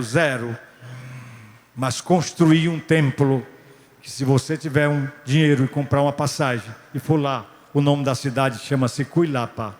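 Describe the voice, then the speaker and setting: A male pastor, telling a missionary testimony in a sermon with restarts and rising exclamations. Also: medium pitch. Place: large church hall. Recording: long church-hall reverb.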